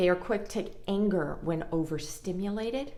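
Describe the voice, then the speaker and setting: Through audible room echo and noticeable background noise, a woman speaks at a medium pitch and a fairly slow pace. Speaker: mental health vlogger. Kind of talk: casual vlog monologue. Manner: halting, stammering.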